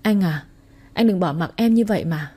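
A woman's voice: lowish voice, expressive, moderate pace, mellow, breathy edge. A woman voicing a pampered young mistress who coaxes and clings to her lover. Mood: pleading. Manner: coaxing and clingy.

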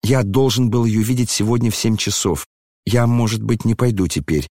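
A man voicing a gentle troubled young nobleman. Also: on the low side, moderate pace, no echo, clean studio sound. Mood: earnest. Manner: earnest, pleading. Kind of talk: audiobook character reading.

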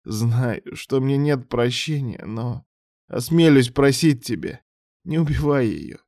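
A man's voice: medium pitch, animated, slow, darkish tone, dry recording, clean studio sound, pitched above the performer's own voice. A man voicing a remorseful, broken old father who pleads in a wheezy, tearful voice in an audiobook. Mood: tearful pleading. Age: older. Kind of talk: audiobook character voice.

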